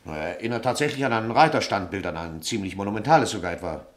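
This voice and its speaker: An actor playing an eager police sergeant in a German radio crime drama, reporting in a factual, explanatory way. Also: male voice, lowish voice, animated, quick pace, lightly acted.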